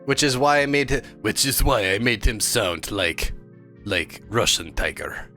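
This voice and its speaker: A man's voice: fairly low pitch, animated, measured pace, bright, forceful tone, soft background music. A man streaming a story game, chatting playfully and making jokey asides as he reads. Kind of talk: casual game stream, reading story aloud.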